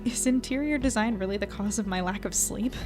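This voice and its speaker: Audio drama reporter, young woman, mid-pitched, self-mocking and hesitant, music underneath. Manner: wry, rambling, hesitant. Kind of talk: audio drama acting, intimate diary monologue.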